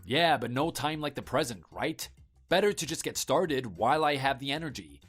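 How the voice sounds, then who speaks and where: A man's voice: medium pitch, animated, moderate pace, fairly bright tone, husky, soft background music. A man playing an evasive husband in a scripted online story drama, talking casually and persuasively to placate his wife. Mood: insistent, placating.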